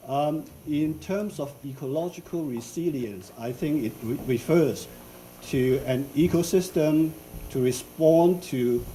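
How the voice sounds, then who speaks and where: An older man from Hong Kong delivers an academic lecture at an unhurried pace, often pausing on fillers and restarting his sentences. His voice is warm and mellow. A faint background hiss sits under the room. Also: medium pitch, poor audio. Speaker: invited professor giving a symposium talk. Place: lecture hall.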